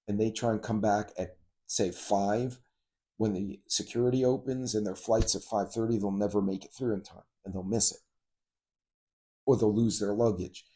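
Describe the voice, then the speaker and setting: A middle-aged man with a low, very mellow and relaxed voice. He talks like a vlogger giving informal advice, wandering off into asides as he goes. The delivery is conversational and unscripted. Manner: rambling, conversational, frequent asides. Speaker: host of a preparedness and travel channel. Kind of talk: casual informal vlog monologue with advice.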